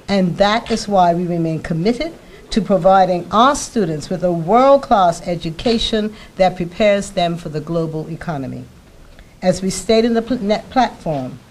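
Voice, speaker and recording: A woman in her sixties reading a scripted political speech at a podium in a formal, measured way. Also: medium pitch, a little mellow, low-quality recording. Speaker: politician giving a campaign speech. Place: indoor press conference room at a podium. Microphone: several press microphones on a podium. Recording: clear background room noise.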